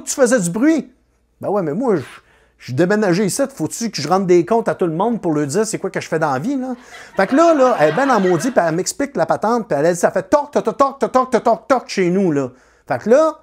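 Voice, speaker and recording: Man, quebec accent, comic storyteller, lively swooping pitch, casual. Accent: Quebec French. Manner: lively, animated, many fillers. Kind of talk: comic anecdote.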